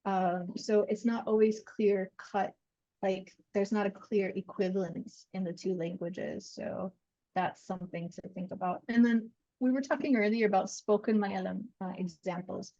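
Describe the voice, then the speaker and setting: An American woman guest in a casual podcast interview, explaining things in an animated way and laughing easily. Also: mid-range voice, normal speed, no room sound. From USA. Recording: dull lo-fi dry sound.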